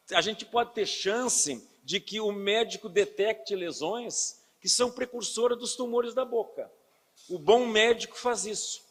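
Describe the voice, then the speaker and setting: Older southern brazilian guy giving a health talk, highish husky voice, lots of hall echo. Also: fairly bright tone. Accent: Southern Brazilian Portuguese. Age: 60s. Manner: earnest, explanatory, with rhetorical questions. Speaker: physician giving a lecture. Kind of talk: public health lecture. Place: lecture hall. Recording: hall reverb.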